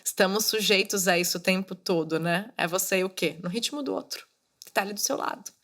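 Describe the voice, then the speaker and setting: A woman's voice: medium pitch, brisk, a bit bright. A woman in her thirties hosting a solo podcast, talking casually and coaching her listeners directly. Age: 30s. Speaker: podcast host. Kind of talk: solo podcast monologue, motivational.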